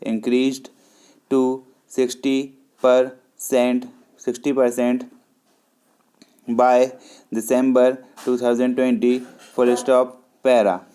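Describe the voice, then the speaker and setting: Very slow, even-toned Indian man dictating. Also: medium pitch, clean tone. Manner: measured, deliberate, phrase-by-phrase delivery with pauses. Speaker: shorthand dictation reader. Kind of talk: slow shorthand dictation with spoken punctuation.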